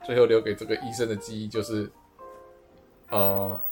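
A man's voice: fairly low pitch, flat delivery, a little mellow, faint music behind. Taiwanese-accented man chatting, repeating himself. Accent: Taiwanese Mandarin. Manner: halting, repeats words while explaining. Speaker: podcast co-host. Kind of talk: casual chat.

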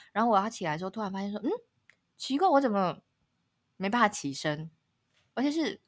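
Female podcast co-host, lively storyteller who laughs a lot. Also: fairly low pitch. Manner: animated storyteller, laughs often, rises sharply at dramatic moments. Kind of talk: casual chat, telling a story.

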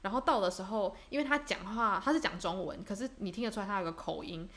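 Young woman from taiwan, casual podcast chat, quick and reflective. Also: mid-range voice, a bit bright. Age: young adult. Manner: reflective, many fillers and restarts. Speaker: podcast co-host.

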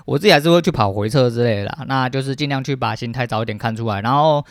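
A man in his thirties with a Taiwanese Mandarin accent rants through a casual solo podcast, blunt and heavily profane. His voice is mid-range and fast, his throat dry and scratchy, and the recording has no echo.

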